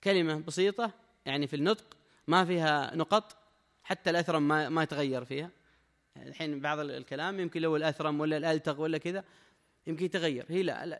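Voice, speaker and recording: A quick, rather high-voiced man teaches a mosque lesson, reading from a text and then driving each point home in short, repeated phrases. His voice carries the long reverb of a large hall. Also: a bit bright. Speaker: religious teacher.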